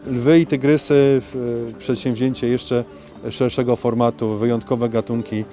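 A man speaking as a local official in a statement for local television, halting with frequent hesitation sounds, recorded outdoors at a zoo. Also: mid-range voice, flat delivery, mellow, soft background music.

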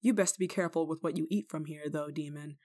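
A woman playing a kindly, rule-breaking nun in an ASMR roleplay, speaking to the listener in a gently teasing, caring manner. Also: sits low, fast talker. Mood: amused teasing. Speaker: roleplay voice actor.

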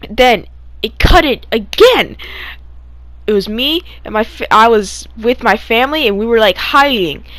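Young female storyteller, higher-pitched, dry recording, recounts dreams in a puzzled, halting, casual manner. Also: expressive, a bit bright, no room sound. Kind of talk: casual story time over gameplay.

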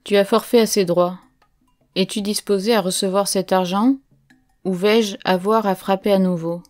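A woman's voice: medium pitch, fairly even intonation, moderate pace, darkish tone, faint music behind, close to an everyday voice. A woman reading the part of a stern, commanding mining engineer who gives curt orders.

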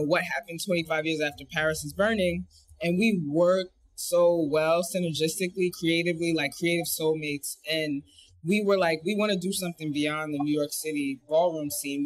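An American woman speaks as a guest director on a video call. Her voice is on the low side for a woman, and she tells personal stories in an animated, informal way. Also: poor audio. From United States. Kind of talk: casual personal storytelling. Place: indoor room on a video call.

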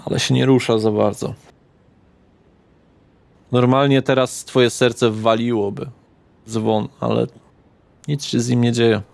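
A man runs a tabletop role-playing game as its narrator. His voice is of middling pitch, and he sets each scene in a measured, subdued manner. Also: fairly even intonation, gravelly, darkish tone, no echo. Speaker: game master.

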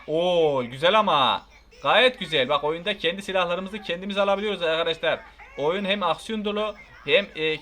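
A man narrates his own gameplay in a high, bright voice. He talks in a casual, excitable way, swearing lightly and shouting at enemies. Now and then he reads on-screen text aloud. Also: slight background noise. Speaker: gamer. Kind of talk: casual let's play commentary.

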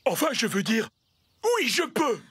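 A man's voice: very high-pitched, wildly swooping pitch, unhurried, full character voice. A man voicing a gullible, good-natured steamroller in a children's cartoon, sounding naive and hesitant. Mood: hesitant, sheepish. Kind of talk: French children's cartoon dub. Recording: music underneath.

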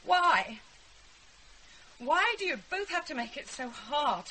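A woman's voice: high voice, big pitch swings, slow, pushed and bright, exaggerated voice. Exasperated English mother, hissy recording. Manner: tense, sarcastic, pleading. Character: anxious, exasperated, resentful middle-aged mother. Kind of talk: British radio drama acting. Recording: hissy, noisy radio drama recording.

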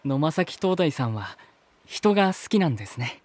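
An actor playing a polite, curious young man in a voice drama, speaking in a gentle, thoughtful way. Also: on the high side, sing-song, normal speed. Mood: polite interest. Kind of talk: Japanese voice drama acting.

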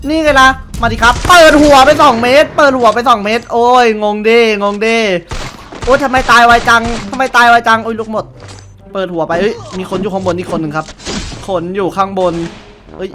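A young man giving excited gameplay commentary, taunting opponents and repeating short calls over and over. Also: very high voice, brisk, faint music behind. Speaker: gamer streamer.

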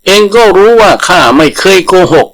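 A man's voice: normal speed, fairly bright tone, natural voice, poor audio. A man voicing a big, proud but gullible elephant with an earnest manner in a folktale. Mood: pleading. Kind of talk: animal folktale storytelling.

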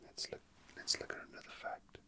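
Whispering ASMR man, breathy and bright. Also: brisk. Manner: hesitant, musing to himself. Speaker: ASMR host. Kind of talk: whispered ASMR, casual rambling while handling a figurine.

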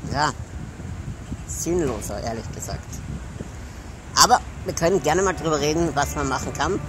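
A young man with a Viennese Austrian accent, talking casually to the camera as a vlog host. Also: fairly high pitch. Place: outdoors on a city pavement outside a café. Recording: outdoor street noise, loud traffic ambience.

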